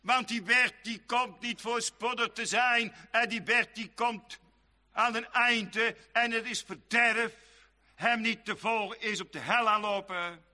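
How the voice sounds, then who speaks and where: A male preacher giving a sermon, swinging between soft, quick asides and loud, drawn-out exhortations. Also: very high voice, steady tone. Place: church. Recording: long reverb of a church hall.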